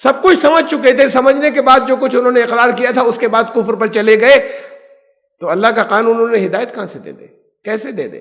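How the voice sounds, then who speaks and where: High-voiced man lecturing in an echoey hall. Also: a bit bright. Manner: explanatory, poses rhetorical questions, mixes English terms. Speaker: Islamic scholar teaching the Quran. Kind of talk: Quran lecture.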